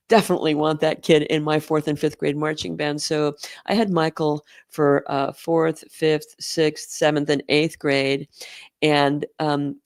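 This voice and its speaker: A woman's voice: deep voice, vocal fry, dry recording. Dry-sounding woman band director telling stories. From Oregon, US. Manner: warm storytelling, laughs easily. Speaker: middle school band director, guest. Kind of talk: conversational interview.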